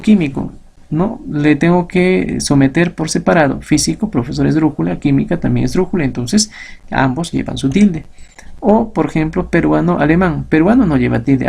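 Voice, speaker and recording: A man's voice: on the high side, creaky, a little mellow, breathy edge. A man teaching a recorded grammar lesson, explaining step by step and asking and answering his own questions.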